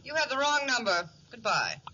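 A woman's voice: a little high, very animated, moderate pace, bright, forceful tone, dull audio. A woman playing a prim, puzzled office worker on the telephone in 1940s radio style. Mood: puzzled, curt. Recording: thin, noisy old radio recording.

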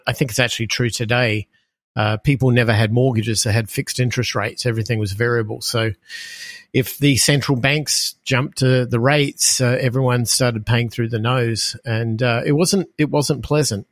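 A man in his fifties with an Australian accent talks as a podcast guest, rambling and self-deprecating, with plenty of ums along the way. His voice sits at an ordinary pitch for a man. The recording is dry and close, with no room sound. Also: dry recording. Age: 50s. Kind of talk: casual interview storytelling.

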